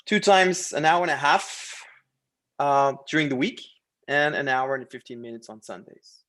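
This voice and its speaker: A man's voice: medium pitch, expressive, moderate pace, fairly bright tone. A man working as a language coach, presenting a course in a promotional, partly read-out style with short, emphatic phrases.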